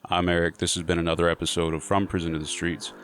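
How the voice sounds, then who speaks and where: A man's voice: low-pitched, monotone, quick pace, fairly bright tone. A man telling a prison story to his viewers in a casual, laid-back way, often saying "you know". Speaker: storyteller sharing prison stories.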